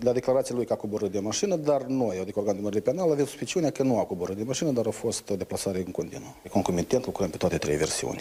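With a dark, mellow tone and lively intonation, a man talks at a very fast pace with hardly any pauses. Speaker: prosecutor. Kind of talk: official statement. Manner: halting. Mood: serious, official. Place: office.

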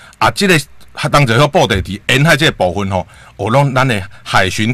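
A man talks at a fairly quick pace with lively intonation. His tone is bright and sharp, and the sound is dry with no echo. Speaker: association chairman and diving instructor. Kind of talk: radio interview. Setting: radio studio with Facebook live stream. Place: studio. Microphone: studio mic.

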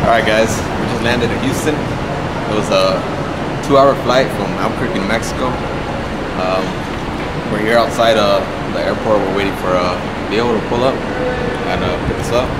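A man's speech with long, frequent pauses over loud background noise. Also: moderate pace. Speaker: vlogger. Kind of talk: casual vlog chat. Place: street. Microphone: phone near.

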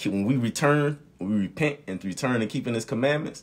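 Lively intonation runs through a man's unremarkable speaking voice as he talks at a fairly quick pace. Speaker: religious organization representative; radio guest. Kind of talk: radio interview. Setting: studio. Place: studio. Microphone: studio mic.

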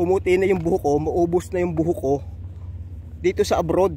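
A man's voice in a dry recording with no echo. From Philippines. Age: 40s. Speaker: overseas Filipino worker vlogger. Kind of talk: casual monologue vlog. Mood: reflective, earnest advice. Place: open country. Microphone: phone near.

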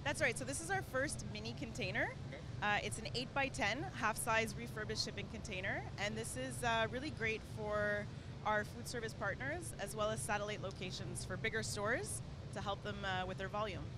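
A woman talks at a fairly quick clip, her voice dry with no echo and noticeable noise in the background. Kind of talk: interview answer. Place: hall. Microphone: handheld.

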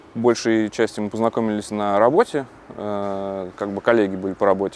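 A man speaks at a fairly low pitch. The sound is dry with no echo, over light background noise. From Moscow. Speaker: interviewee, flat owner. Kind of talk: casual chat. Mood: calm, relaxed. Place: street. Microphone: lapel.

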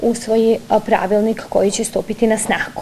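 A fairly quick pace with light background noise. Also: woman. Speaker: city council spokesperson. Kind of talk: press statement. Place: office. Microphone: handheld.

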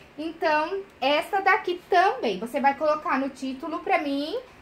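The woman talks very slowly in a high pitch, and her pitch varies in an ordinary way. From Brazil, Campinas (São Paulo state). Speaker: sewing and fashion YouTuber. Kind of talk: product haul video tutorial. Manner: animated. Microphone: phone near.

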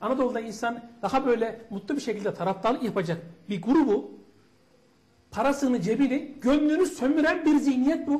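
A man with an extremely high pitch speaks at a fairly quick pace and ordinary pitch variation. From Turkey. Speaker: football commentator. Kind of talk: sports panel discussion. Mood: critical, storytelling. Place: studio.

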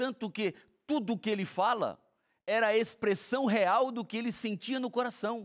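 Against a quiet background, a man with a high-pitched voice talks at a moderate pace with ordinary pitch variation. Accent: Brazilian. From Brazil. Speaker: preacher and TV Bible program host. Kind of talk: sermon-like Bible teaching to a TV audience, with direct pastoral appeals. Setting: TV studio. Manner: warm, earnest, reassuring; emphatic, with repeated phrases building to an emotional appeal. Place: studio. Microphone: lapel.

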